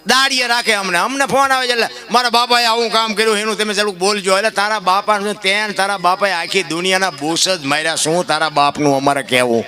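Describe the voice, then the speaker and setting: A high-voiced man preaching in a folk dayro, bright and forceful in tone. He moves between storytelling and loud, impassioned appeals. Faint music runs behind him. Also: quick pace, few pauses. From Gujarat, India.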